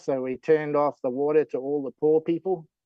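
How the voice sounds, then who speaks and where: A man with a New Zealand accent, fairly high pitch, fairly even intonation and a moderate pace. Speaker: development worker on water and sanitation. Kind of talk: webinar presentation. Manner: casual, conversational with fillers.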